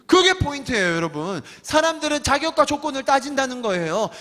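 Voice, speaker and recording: A man's voice: extremely high pitch, sing-song, brisk, bright, forceful tone, long reverb tail. A man preaching a sermon as pastor, emphatic, asking the congregation rhetorical questions and acting out scolding voices. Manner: acts out scolding crowd voices. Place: church sanctuary.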